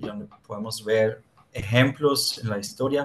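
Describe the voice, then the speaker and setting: Speaking at a fairly slow pace, a man keeps his intonation fairly even. His pitch sits in the medium range. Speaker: architecture lecturer. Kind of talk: lecture. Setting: video call. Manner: halting, many fillers.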